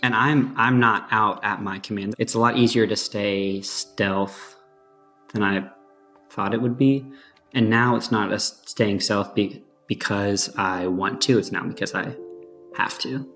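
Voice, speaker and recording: A trans man serving in the navy with a gravelly voice, speaking hesitantly and with strain. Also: fairly low pitch, fairly even intonation, unhurried, sharp tone, faint music behind. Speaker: sailor.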